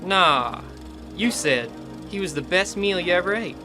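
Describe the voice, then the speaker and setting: A man acts as a determined rural hunter out for vengeance in an audio drama. He speaks plainly in a Southern accent, pitched slightly high. Music plays clearly behind him. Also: animated, unhurried. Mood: uneasy, suspicious. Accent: American South. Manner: earnest, plain-spoken country talk. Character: earnest rural monster hunter avenging his uncle.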